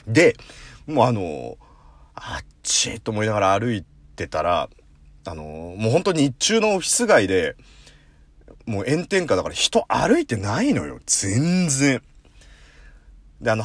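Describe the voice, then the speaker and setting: A man hosting a casual solo talk show, telling a story in rough slang with playful self-mockery and sudden acted-out voices. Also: fairly low pitch, no room sound. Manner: animated, jumps into acted-out voices. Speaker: podcast host.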